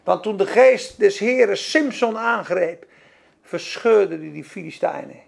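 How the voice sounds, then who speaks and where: A man's voice: high-pitched, animated, unhurried, vocal fry. A man teaching a Bible lesson, preaching emphatically and repeating key words for effect.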